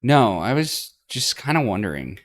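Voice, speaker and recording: A man's voice: mid-range voice, very animated, normal speed, pitched above the performer's own voice, close to an everyday voice. A man voicing an eager, sweet, shy young woman in visual novel dialogue. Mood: tentative.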